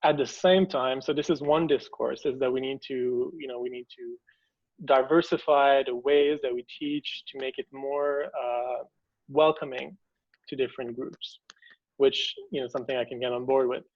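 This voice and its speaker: A man answering as an interview guest, talking hesitantly and with care, often pausing and restarting. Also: mid-range voice, steady tone, dry recording, dull audio. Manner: hesitant, many fillers and restarts, measured. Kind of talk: conversational interview.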